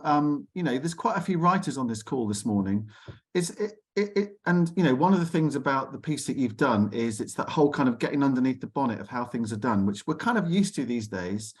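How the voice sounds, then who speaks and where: Chatty man hosting, medium-pitched voice. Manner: chatty, rambling questions. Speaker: discussion host. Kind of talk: informal online panel moderation. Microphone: video call.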